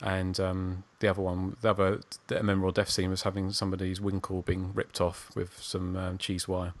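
A man's voice: low-pitched, monotone, brisk. A man hosting a podcast in a casual, chatty way. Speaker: podcast host. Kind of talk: casual chat.

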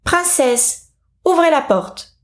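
A woman's voice: sits high, expressive, takes it slowly, a bit bright, voice pushed up, exaggerated voice. Storybook toad, male, slimy and stubborn, coaxing and insistent , read by a woman narrator. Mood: pleading.

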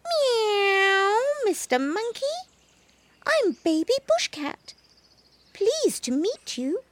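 A woman voicing an eager little male kitten who meows and pleads in a squeaky voice. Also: big pitch swings, extremely slow, a little hiss or hum, full character voice. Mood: pleading.

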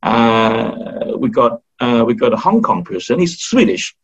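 A man's voice: medium pitch, sing-song, measured pace, slightly rough, faint music behind. A man with an Australian accent, talking hesitantly as an interview guest with many fillers and restarts. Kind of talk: casual interview talk. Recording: dull lo-fi recording.

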